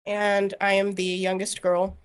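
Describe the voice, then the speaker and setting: Young woman in her 20s chatting easy, mid pitch, lots of "like"s. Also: completely flat delivery, a little slow, clear, resonant tone. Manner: easygoing, filler-heavy with "like" and "I feel like". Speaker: guest. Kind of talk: casual interview chat.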